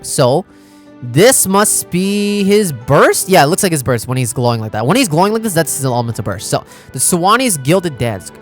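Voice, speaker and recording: A man's voice: a little high, big pitch swings, moderate pace. A man doing casual gaming reaction commentary as a YouTuber, informal and slangy, thinking aloud as he goes. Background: background music.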